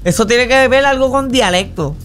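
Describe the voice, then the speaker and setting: A woman's voice: on the high side, normal speed, soft background music. A woman with a Puerto Rican accent co-hosting a joking radio call-in show, casual and chatty. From Puerto Rico. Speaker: radio co-host.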